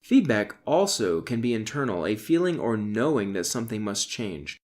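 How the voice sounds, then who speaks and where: A man's voice: on the low side, big pitch swings, moderate pace, darkish tone. Instructional man narrating a self-help audiobook. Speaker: author reading own audiobook.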